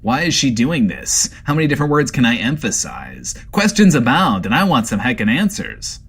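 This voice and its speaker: A man's voice: medium pitch, huge pitch swings, moderate pace, gravelly, fairly bright tone, husky, soft background music, exaggerated voice. A man playing an anxious, rambling host of a post-apocalyptic comedy variety webshow, theatrical and hesitant in delivery. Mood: puzzled, indignant. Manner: theatrical, hesitant, self-referring.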